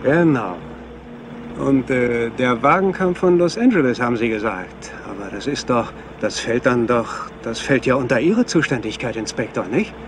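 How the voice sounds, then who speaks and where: A practical mountain police sergeant played by a man in a crime radio play. His mid-pitched voice has animated intonation, with clear outdoor noise and vehicle ambience around it. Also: normal speed, natural voice. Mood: explanatory. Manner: practical, explanatory. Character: matter-of-fact male mountain police sergeant at crash site. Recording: noisy outdoor car ambience.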